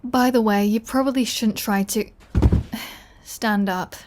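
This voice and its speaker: Female vampire played by a woman, unhurried delivery, flirty and sardonic, playfully bossy, for intimate roleplay audio drama. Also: medium pitch, fairly even intonation, darkish tone, lightly acted. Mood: teasing, smug. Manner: playful, teasing, dry, bossy.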